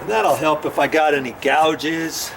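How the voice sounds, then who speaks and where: A man's voice: on the high side, a little slow. A man hosting a casual hands-on DIY tutorial, rambling in a folksy way and asking himself questions that he then answers. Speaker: DIY video host. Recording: noisy, tool rasping and scraping sounds.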